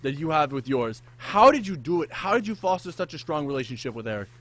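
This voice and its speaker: A man with a slightly raised pitch hosts a casual sports podcast. He keeps the conversation friendly and chimes in with affirmations and laughter. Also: sing-song, fast talker. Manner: warmly affirming, laughs along. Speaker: podcast host. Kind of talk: casual interview.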